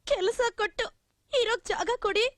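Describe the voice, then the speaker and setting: A pleading young orphan, high-pitched. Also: female voice, moderate pace, fairly bright tone, dry recording, studio quality. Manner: pleading, teasing. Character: young woman, orphaned, pleading yet cheeky. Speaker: orphaned young woman seeking shelter. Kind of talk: film dialogue.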